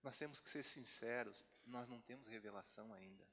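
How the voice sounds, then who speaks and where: A man's voice: medium pitch, a little fast, sharp tone, a little hiss or hum. A man with a Brazilian Portuguese accent preaching a sermon at a church retreat, mixing chatty asides with scripture read aloud. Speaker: pastor. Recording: long hall reverb.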